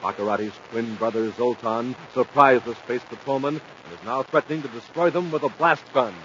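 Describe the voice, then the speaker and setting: A man's voice: medium pitch, a little fast, a bit bright, lightly acted. A man narrating a 1950s radio adventure serial in scripted, dramatic style. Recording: muffled, noisy 1950s radio recording.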